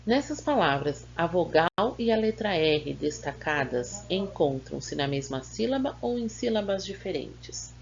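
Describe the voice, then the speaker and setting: A woman's voice: on the low side, animated, measured pace, creaky, few pauses, muffled recording, slight background noise. A woman teacher with a Brazilian Portuguese accent, patiently going over schoolbook exercises and sounding out words syllable by syllable.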